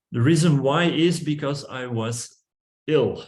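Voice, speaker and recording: Speaking very slowly with ordinary pitch variation, a man with a Flemish accent is heard with audible room echo. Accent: non-native, Flemish-Belgian. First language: Flemish (Dutch). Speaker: hypnotherapist. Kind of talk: online talk to a group. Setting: video call. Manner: halting, many fillers.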